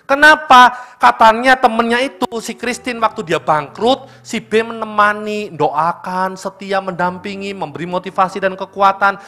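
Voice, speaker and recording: A male pastor with an East Javanese accent delivers a sermon at a church service, telling a lively story and addressing the congregation directly. His voice is high-pitched and moves at a normal speed.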